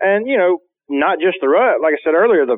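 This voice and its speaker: An ordinary speaking voice from a man with an American accent, moving at a moderate pace with lively intonation. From Alabama, US South. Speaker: hunting show co-host. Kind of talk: casual interview chat.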